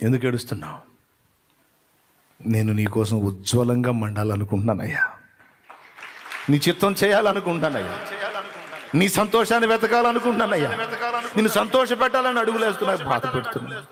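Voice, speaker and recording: A man's voice: high voice, big pitch swings, fast, pauses often, fairly bright tone, long reverb tail. A male preacher giving a devotional sermon, fervently pleading in prayer to God. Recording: clear background music under the voice.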